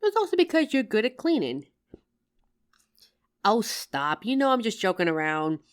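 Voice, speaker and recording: Woman acting an expressive, loving, teasing wife. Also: mid-range voice, moderate pace, lightly acted. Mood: playful, contented. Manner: affectionate, playful, expressive. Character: loving, teasing working wife, tired after work. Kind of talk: intimate roleplay audio addressed to listener.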